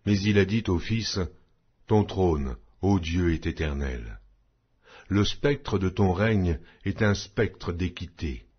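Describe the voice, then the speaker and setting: Male scripture narrator: husky voice, widely varied intonation, solemn scripted delivery, slightly dull lo-fi sound. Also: low voice, animated, slow pace. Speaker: audiobook narrator reading scripture. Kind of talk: scripted Bible reading. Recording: dull lo-fi audio.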